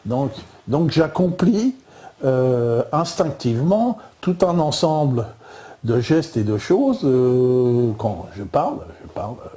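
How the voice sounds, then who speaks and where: Older Parisian man, informal lecturer walking through slides; halting delivery full of fillers and restarts, dark mellow tone. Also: mid-range voice, sing-song. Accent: Parisian French. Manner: halting, many fillers and repeated words.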